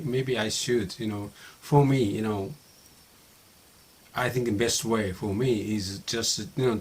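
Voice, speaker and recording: A man's voice: on the low side, slight background noise. Japanese-accented man in his fifties. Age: 50s. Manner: hesitant, many fillers and restarts. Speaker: YouTuber. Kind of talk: casual talk to camera.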